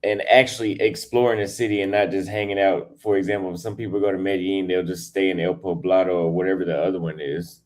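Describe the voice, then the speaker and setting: A man's voice: deep voice, little pitch movement, fast, hardly any pauses, a little mellow, rough recording. A man chatting casually as a guest, rambling a little and searching for his words. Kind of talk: casual video-call chat.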